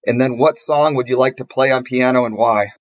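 A man's voice: medium pitch, fairly quick, muffled recording. A man co-hosting a podcast, asking questions in a friendly, playful way. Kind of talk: casual podcast conversation.

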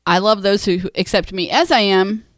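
Lady in her late 30s cohosting a podcast, casual chatty talk, mid pitch, really dry recording. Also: moderate pace, dry recording. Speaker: podcast co-host. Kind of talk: casual married-couple chat.

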